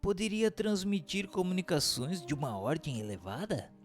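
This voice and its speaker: A man's voice: high voice, lively intonation, normal speed. A man giving a formal, declamatory scripted reading as narrator and questioner in a radio drama. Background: faint music.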